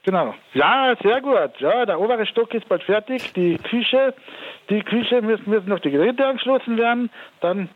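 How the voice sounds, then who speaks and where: A man's voice: high voice, animated, normal speed. A man with an Austrian accent calling a radio show, friendly and earnest, with many fillers. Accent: Austrian German. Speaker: caller. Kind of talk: phone-in chat. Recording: tinny phone line.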